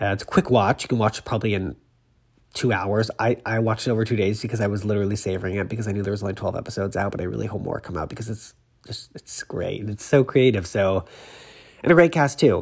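Speaking at a very fast pace, a man with a fairly low pitch sounds animated and somewhat breathy. His pitch variation is ordinary. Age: 30s. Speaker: pop culture podcast host. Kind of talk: casual solo podcast monologue. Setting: recording in bed at home.

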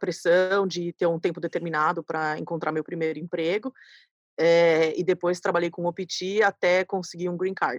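This woman has a fairly low pitch and a monotone, flat intonation at a moderate pace. The sound is dry and close, with no echo. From Brazil. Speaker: product designer. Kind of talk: interview. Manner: halting.

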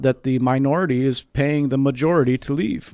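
With a normal speaking voice, a man talks at a moderate pace and medium pitch, showing ordinary pitch variation in a very clean recording with a silent background. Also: dry, close sound with no echo. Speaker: pastor. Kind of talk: casual chat.

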